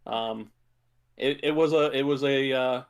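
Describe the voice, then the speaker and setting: A man chatting casually as a podcast co-host, in a halting way full of filler words and hedges. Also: medium pitch, fairly even intonation, clear, resonant tone. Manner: halting, hedging delivery with many filler words. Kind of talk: casual chat about video game movies.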